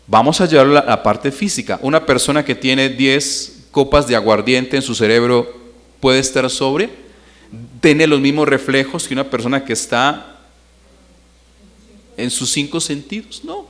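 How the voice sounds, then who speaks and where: A man's voice: medium pitch, measured pace, a bit bright. A man, preaching a Sunday sermon in church and putting questions to the congregation. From Colombia. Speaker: pastor.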